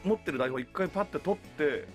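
A male radio host speaks quickly in a slightly high, very mobile voice. He chats politely and attentively in a studio, with faint music in the background. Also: expressive. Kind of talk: casual hosting chat. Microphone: studio boom microphone.

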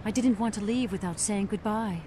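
An actor voicing Troia, a grown heroine, in a motion comic, speaking earnestly and gravely. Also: male voice, high-pitched, fairly quick, mellow, slight background noise, voice pushed up, lightly acted.

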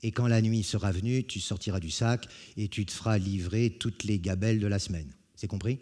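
A man's voice: on the low side, fairly even intonation, fairly quick, a little mellow, natural voice. A man voicing young male brigands who give curt, threatening orders. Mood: scheming.

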